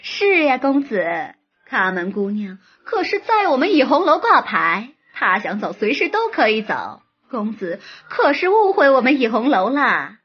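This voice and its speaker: A woman's voice: on the high side, very animated, a little slow, highs cut off, exaggerated voice. Woman doing a slick, smiling brothel madam. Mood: placating. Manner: smooth, placating. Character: smooth, worldly brothel madam.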